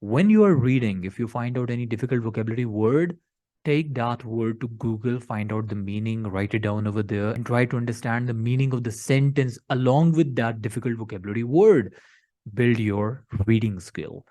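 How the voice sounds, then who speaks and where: A man's voice: mid-range voice, normal speed, warm tone. A middle-aged man, a tutor giving direct step-by-step coaching in an instructional talk to camera. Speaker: English test tutor.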